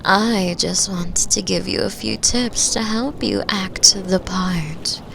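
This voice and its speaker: A woman playing a flirtatious, confident mature bar patron in an intimate roleplay, teasing and breathy, often dropping toward a whisper. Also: medium pitch, noisy background. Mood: teasing, coy. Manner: slow, sultry, breathy, drops into near-whispers. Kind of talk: binaural roleplay audio drama, intimate second-person acting.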